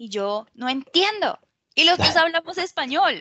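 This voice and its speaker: Against a quiet background, a woman speaks at a fairly slow pace, her sound dry with no echo. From Colombia, Cúcuta; Colombia. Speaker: Spanish teacher. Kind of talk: online language lesson conversation. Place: home room. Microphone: headset.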